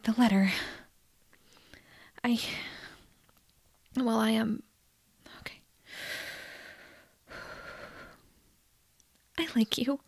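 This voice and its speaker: Shy lovestruck teen girl played by a woman for ASMR roleplay: soft, close and dry, breathy whisper with some creak, nervous delivery. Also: on the high side, dry recording, exaggerated voice. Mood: nervous, earnest. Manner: hesitant, halting, tender. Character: shy, nervous teenage girl confessing love to best friend.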